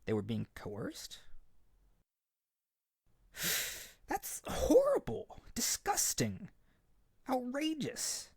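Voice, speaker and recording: Man acting a husky, earnest lovesick harpy boy. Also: very high-pitched, wildly swooping pitch, drawn-out words, pauses often, no room sound, clean studio sound, heavily acted. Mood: horrified. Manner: hesitant, stammering, tender and earnest. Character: earnest lovesick young harpy bird-boy, gentle and insecure. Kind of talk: roleplay audio drama spoken intimately to the listener.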